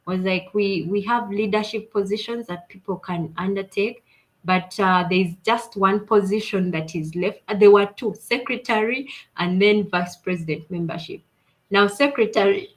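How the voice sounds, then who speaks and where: Woman, coach, earnest personal storyteller, animated, mid-range pitch. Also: poor audio. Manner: earnest, animated retelling with fillers and laughs. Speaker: coach and speaker.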